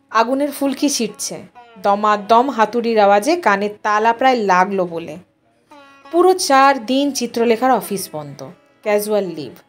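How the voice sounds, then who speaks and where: A woman tells a literary story as an expressive narrator. Her voice is a little high. Music plays behind her reading.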